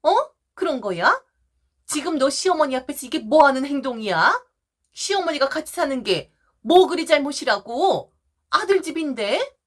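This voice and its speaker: A woman voicing a scheming older mother-in-law who pleads and then scolds her daughter-in-law in a high, sharp voice. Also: very animated, normal speed. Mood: indignant scolding.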